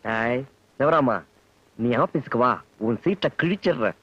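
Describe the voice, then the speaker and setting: An actor playing an eccentric, pompous office manager who fusses and mock-solemnly repeats stock phrases. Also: male voice, extremely high pitch, animated, moderate pace, bright, forceful tone, muffled recording, exaggerated voice. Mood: threatening. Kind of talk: 1980s film comedy acting.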